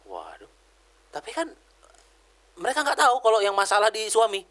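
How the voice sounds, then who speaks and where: A woman's voice: mid-range voice, huge pitch swings, normal speed, a bit bright. A woman hosting a podcast interview, asking short questions and murmuring acknowledgements as she listens. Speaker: podcast host. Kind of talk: interview, casual chat.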